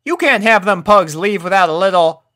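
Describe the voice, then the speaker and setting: Man doing a folksy, bright country mare. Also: sits high, normal speed, pitched above the performer's own voice. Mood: friendly. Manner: folksy, drawling, frank. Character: steady, no-nonsense country farm mare.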